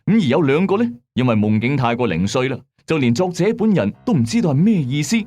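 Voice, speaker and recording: Animated Hong Kong Cantonese male storyteller. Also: mid-range voice, fast. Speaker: narrator and host of a late-night mystery story channel. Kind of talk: scripted storytelling narration. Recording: voice over background music. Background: music bed.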